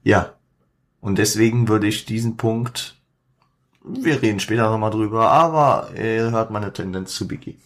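A man's voice: lowish voice, a little slow. A man hosting a podcast, talking in casual commentary with many fillers and self-corrections and English slang mixed in. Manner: mixes English slang into speech. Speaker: podcast host.

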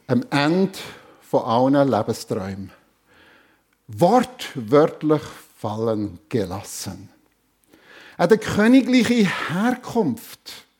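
A man's voice: sits high, a little mellow. A male preacher with a Swiss German accent, earnestly retelling a Bible story in a sermon, with some restarts.

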